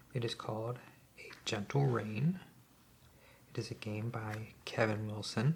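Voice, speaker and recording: A soft-spoken, somewhat breathy man at medium pitch, with fairly even intonation and a very slow pace. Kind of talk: ASMR board game play-through.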